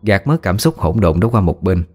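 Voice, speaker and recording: A man narrating a story in a measured, steady storytelling manner. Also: low voice, slightly rough, soft background music.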